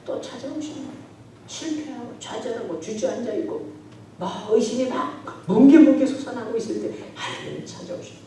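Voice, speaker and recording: A man who is a pastor, preaching a sermon with emphasis and swinging between loud declarations and soft asides. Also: very high voice, brisk, far from the mic. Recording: very echoey hall, from afar, faint noise.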